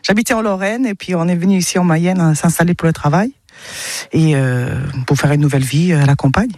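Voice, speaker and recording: A woman who grew up in Luxembourg, chatting cheerfully in a casual radio street interview, laughing easily and pausing on fillers. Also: fairly low pitch, darkish tone, no echo, clean studio sound. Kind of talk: casual radio vox-pop chat.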